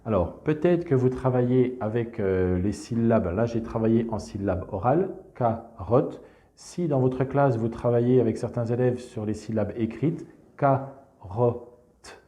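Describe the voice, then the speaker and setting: A man calmly walking teachers through a classroom exercise, explaining step by step with frequent verbal fillers. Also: mid-range voice, normal speed, hardly any pauses. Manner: calm explanatory, frequent "donc" and "hein". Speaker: teacher presenting a reading method. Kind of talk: instructional screencast walkthrough.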